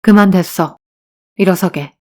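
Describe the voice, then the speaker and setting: A woman voicing a tall, composed young male detective who speaks in a cold, measured way in an audiobook drama. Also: on the low side, darkish tone, lightly acted.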